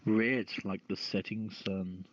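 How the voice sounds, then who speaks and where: A man's voice: on the low side, fairly even intonation, takes it slowly, dry recording. A man hosting a podcast, chatting casually with the group. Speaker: podcast host. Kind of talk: casual chat. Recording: dull, lo-fi online audio.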